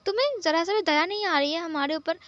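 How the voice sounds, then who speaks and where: Woman reading a sly, whiny young man coaxing, high voice, dull lo-fi sound. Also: moderate pace, dry recording, close to an everyday voice. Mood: wheedling. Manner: coaxing, sweet-talking.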